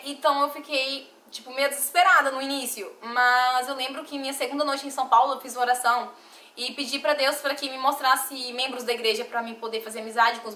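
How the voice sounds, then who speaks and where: A young woman from Bahia with a softened Bahian accent, telling her life story to viewers in a confiding, emotional vlog. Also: high voice, roomy sound. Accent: softened Bahian Portuguese. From Bahia, Brazil. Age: young adult. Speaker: vlogger.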